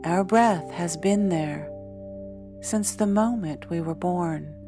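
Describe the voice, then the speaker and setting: A woman leading a guided meditation in a soothing, deliberate way, pausing often between short phrases. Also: fairly low pitch. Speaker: meditation guide, podcast host. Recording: background music. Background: soft instrumental music.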